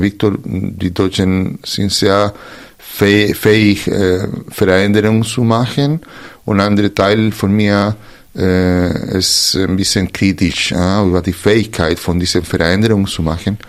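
Low-voiced hesitant male interview host. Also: level tone, measured pace. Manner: hesitant, searching for words, many fillers and restarts. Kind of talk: reflective interview talk.

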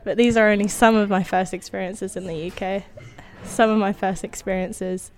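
An Indonesian-born woman, whose first language was Indonesian, recounts a personal story with wry humor and soft laughs, never rushing. Her voice holds a medium pitch and a steady tone.

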